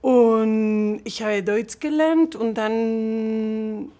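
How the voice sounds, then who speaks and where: Woman, 40s, Spanish accent in German; slow, halting guest with frequent fillers and laughs. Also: on the high side, dark tone. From Spain. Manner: hesitant, many fillers, laughs often. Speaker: interview guest. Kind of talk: casual interview, non-native German.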